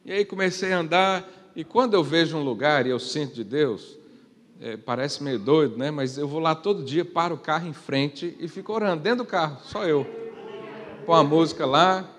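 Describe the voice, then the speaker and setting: A man preaching a sermon, firing rhetorical questions and swinging from quiet to loud. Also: a little high, normal speed. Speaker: pastor. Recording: long reverb of a church hall.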